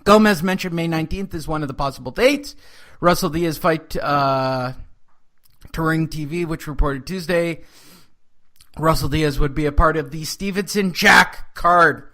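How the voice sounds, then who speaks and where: Sarcastic bright-voiced man. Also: a little high, unhurried. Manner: sarcastic, reads news items with running jokes. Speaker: podcast host. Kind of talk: casual boxing news chat.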